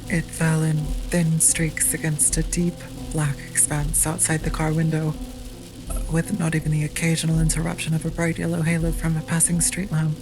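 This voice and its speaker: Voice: medium pitch, natural voice, rough recording. An actor playing a frightened teenage captive, narrating an audio drama in a somber, dramatic way. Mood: somber, groggy. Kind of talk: scripted first-person audio drama narration. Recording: music bed under the voice.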